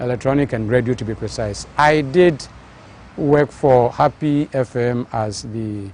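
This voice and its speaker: This man has a normal speaking voice at a medium pitch. He talks at a fairly slow pace with ordinary pitch variation. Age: 60s. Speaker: senior journalist. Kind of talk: TV interview.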